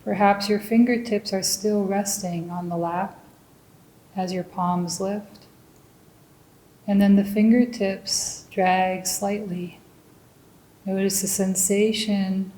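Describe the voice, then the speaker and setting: A woman leading a guided meditation as a teacher, speaking gently and deliberately in short phrases with long pauses. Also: mid-range voice, flat delivery, reverberant, a little hiss or hum, poor audio.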